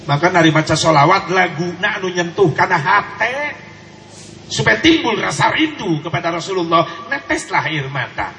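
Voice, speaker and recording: A man with a Sundanese accent preaching a sermon, animated, swinging between shouts and soft asides. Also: high-pitched, moderate pace. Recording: echoey hall with faint noise.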